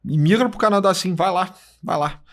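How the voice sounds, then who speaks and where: A man co-hosting a podcast, chatting about politics in an animated way, full of fillers. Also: high-pitched, fairly quick. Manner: animated, lots of fillers like tipo and né. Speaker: podcast co-host. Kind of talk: casual political chat.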